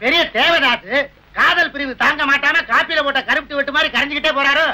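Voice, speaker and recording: High, bright fast-joking man. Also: poor audio. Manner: fast joking banter, mock chanting. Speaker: comic lover posing as fortune teller. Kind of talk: 1970s film comedy dialogue.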